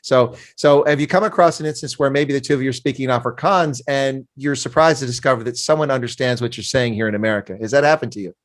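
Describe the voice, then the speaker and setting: A man's voice: mid-range voice, fast talker, hardly any pauses. A man hosting an interview, chatty and enthusiastic, laughing often as he talks. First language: English. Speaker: interview host. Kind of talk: casual interview chat.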